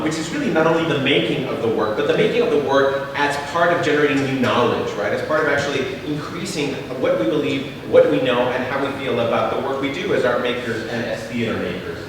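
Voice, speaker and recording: Man, native Spanish speaker from Mexico, talk with slides, lots of "uh", distant, long reverb. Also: mid-range voice. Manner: many filler sounds, frequent rhetorical "right?". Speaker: theater company artistic director giving a talk. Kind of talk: presentation with slides. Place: large echoing hall. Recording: echoey hall, voice from far off, faint noise.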